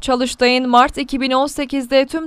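This is a woman speaking. Her pitch is high. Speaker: news reporter. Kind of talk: news reading.

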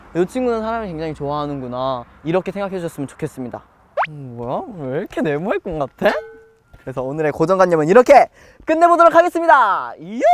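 Over noticeable background noise, a man talks at a very fast pace with very wide pitch swings and big swings in loudness, the sound dry with no echo. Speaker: show host. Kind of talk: casual variety show wrap-up to camera. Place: open country. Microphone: lapel.

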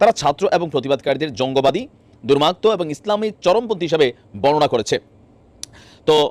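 A man with an unremarkable speaking voice talks at a fairly high pitch with lively intonation, in a dry, close sound with no echo. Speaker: news commentator. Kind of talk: news commentary.

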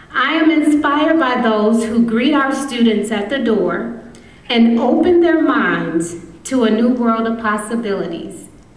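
A woman speaks at a fairly slow pace, with audible echo in the room. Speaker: teacher or staff speaker at a district ceremony. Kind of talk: formal prepared speech. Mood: earnest, grateful. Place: stage. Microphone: podium.

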